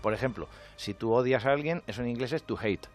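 A man from Spain with a Spanish accent, delivering an animated, jokey comic monologue on a radio show. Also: medium pitch, fast talker, faint music behind. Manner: animated, jokey, acts out quoted voices. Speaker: comedian with a radio segment. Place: radio studio.

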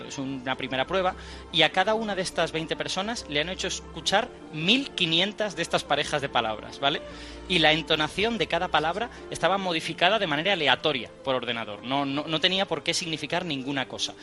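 Bright, lively man explaining science. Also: fairly high pitch. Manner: energetic, explanatory, quizzing the hosts. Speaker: science guest.

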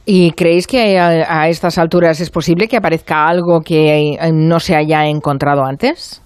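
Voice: medium pitch, steady tone, moderate pace, smooth, no room sound. A radio host asking follow-up questions, with short acknowledgements between. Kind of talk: radio interview.

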